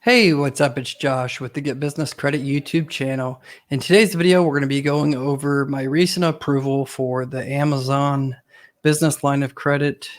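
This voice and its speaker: A man hosting his own channel, talking casually to viewers with a hoarse voice from a cold, full of ums and uhs. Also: medium pitch, steady tone, moderate pace. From Ohio, US. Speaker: host.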